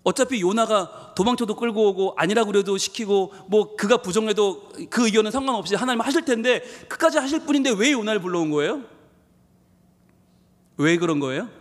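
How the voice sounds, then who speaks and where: A pastor preaches a Sunday sermon in a church sanctuary with emphatic delivery, acting out the prophet Jonah's complaints with rising pitch. His intonation is lively and his pace a little fast. A long reverb tail follows his voice.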